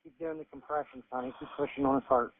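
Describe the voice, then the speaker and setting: A man's voice: medium pitch, huge pitch swings, fast talker, gravelly, no room sound. A distressed, panicked man making an urgent emergency call over a tinny phone line. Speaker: emergency caller.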